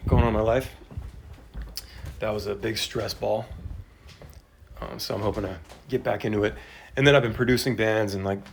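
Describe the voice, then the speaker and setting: A man on a casual live stream from his phone, rambling and swearing as he talks with his mouth full and often clears his throat. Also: lowish voice, a little hiss or hum. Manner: talks while eating. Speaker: musician livestreaming to fans. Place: at home grill, cooking dinner. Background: sizzling food on the grill.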